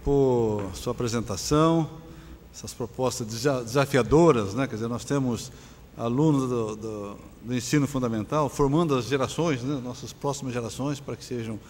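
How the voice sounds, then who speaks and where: A man's voice: medium pitch, moderate pace, a little mellow, a little hiss or hum. Brazilian man moderating a panel, formal, keeps tagging lines, reverby hall. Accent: Brazilian Portuguese. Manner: formal, with frequent tag questions. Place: large conference hall.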